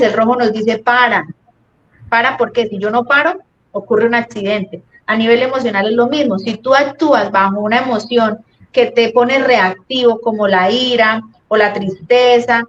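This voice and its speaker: A woman psychologist, patiently explaining parenting ideas in a live-stream talk and acting out little scenes. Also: fairly high pitch. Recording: dull lo-fi stream audio.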